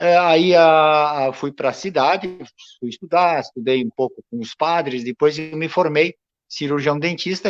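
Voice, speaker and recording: A man talks at a moderate pace with ordinary pitch variation, the sound dry and close with no echo. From Serra Gaúcha, Rio Grande do Sul, Brazil. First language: Talian (Venetian dialect) (speaking Portuguese). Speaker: dentist and cultural association president. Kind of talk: interview.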